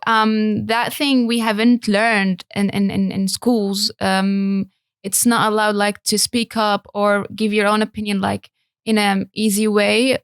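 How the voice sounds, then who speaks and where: Young woman from Syria, gravelly voice, interview guest, halting delivery. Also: medium pitch, no echo, studio quality. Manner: halting, frequent fillers. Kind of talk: interview talk.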